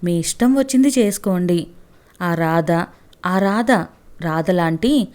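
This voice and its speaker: A woman voicing a defiant, hot-tempered young man who shouts dismissively in a storybook reading. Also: fairly low pitch, expressive, slow.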